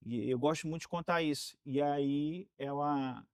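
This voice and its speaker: A man in his forties with a Carioca accent, a pastor telling his story in a relaxed chat, often repeating words as he gathers his thoughts. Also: fairly high pitch, a little slow, smooth, no room sound, clean studio sound. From Rio de Janeiro, Brazil. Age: 40s. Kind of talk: casual interview storytelling.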